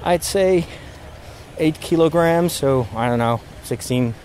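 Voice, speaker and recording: Guy with a sore throat rambling outside in a park, stops and restarts a lot, kinda higher voice but soft and mellow, faint noise behind. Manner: halting, many restarts and fillers, frustrated. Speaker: podcast host. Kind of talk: casual spoken reflection, walking outdoors. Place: outdoors in a park near road works.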